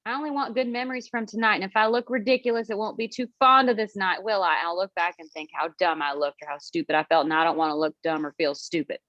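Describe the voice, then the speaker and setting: A woman's voice: mid-range voice, fast talker, hardly any pauses, fairly bright tone, no room sound, lo-fi sound, lightly acted. A woman playing a fussy, vain country woman who grumbles in a folksy, exasperated way at a screenplay table read. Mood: indignant, vain.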